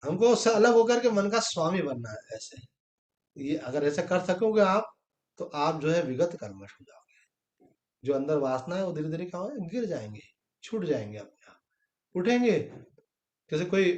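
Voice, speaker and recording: A man's voice: sits high, expressive, normal speed, darkish tone, reverberant, highs cut off. A man, a swami, giving a spiritual discourse, who asks rhetorical questions and answers them himself, using homely examples. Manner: conversational, with everyday examples and short quoted exchanges. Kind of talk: sermon on the Gita.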